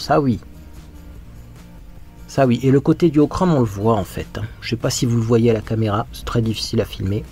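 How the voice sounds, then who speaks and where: Speaking in a mid-range voice with a dark tone, this man does a casual get-ready-with-me video about his makeup. He's frank and chatty, frequently thinking out loud as he applies it.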